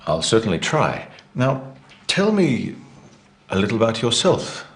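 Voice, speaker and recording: A man's voice: lowish voice, big pitch swings, measured pace, echoey room. An actor playing a curious middle-aged male private investigator who questions a client, hesitating with hums and uhs. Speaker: actor in a teaching drama. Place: small office set, indoors.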